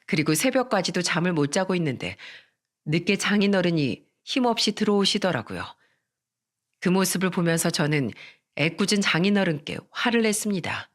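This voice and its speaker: Calm first-person story narrator. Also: mid-range voice, moderate pace. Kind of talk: scripted narration of a listener story.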